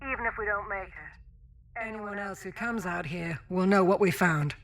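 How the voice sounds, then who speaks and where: A man's voice: high voice, moderate pace, creaky, fairly bright tone. A man acting a weary captain of a doomed mining spaceship in a sci-fi audio drama, speaking with solemn, formal weight. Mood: tired, resolute. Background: music under the voice.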